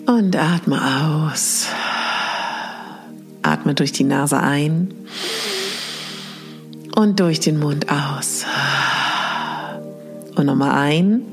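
A woman leading a guided meditation in the soothing manner of a sleep story narrator, with breathy phrase endings. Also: low-pitched, extremely slow, long pauses, darkish tone. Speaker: podcast host and guided exercise leader. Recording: music behind the voice. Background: clear background music.

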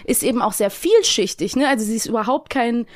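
A woman's voice: a little high, animated, a little fast, no echo, clean studio sound. A woman chatting casually and emphatically as a guest on a podcast.

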